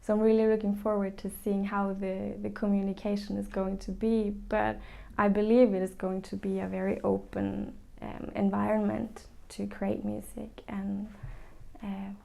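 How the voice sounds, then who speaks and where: A young Norwegian woman from the far north, a musician speaking with a Norwegian accent, answering interview questions thoughtfully and often pausing with ums to find her words. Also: mid-range voice, little pitch movement, creaky, dark tone. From northern Norway. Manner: thoughtful, searching for words with many ums and restarts.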